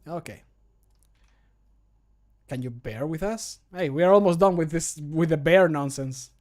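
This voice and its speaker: A man's voice: fairly high pitch, unhurried, darkish tone. A man in his thirties chatting casually and jokingly on a livestream, swearing freely, close to the mic in a room at home. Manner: joking, sweary, self-deprecating. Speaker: content creator and voice actor. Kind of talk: casual livestream chat while recording. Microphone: close studio microphone.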